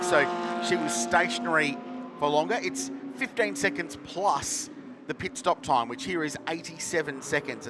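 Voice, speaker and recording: A man giving live race commentary as a motorsport commentator. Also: fairly high pitch. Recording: loud trackside car and engine noise. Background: race cars and outdoor ambience.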